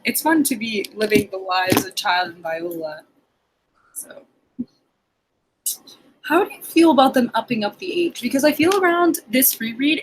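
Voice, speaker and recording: A woman's voice: fairly high pitch, a little hiss or hum, rough recording. A young woman having a casual book discussion in an informal, giggly, sardonic way.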